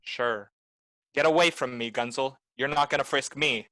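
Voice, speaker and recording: A man playing a hard-boiled private detective in a noir radio play, terse, wry and deadpan. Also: medium pitch, normal speed, dry recording, studio quality, natural voice. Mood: tough, defiant.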